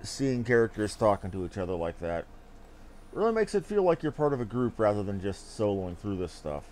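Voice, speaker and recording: A man's voice: fairly low pitch, very animated, fairly quick, darkish tone, a little hiss or hum. A man giving casual gameplay commentary as a streamer, musing aloud with playful asides. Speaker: game streamer.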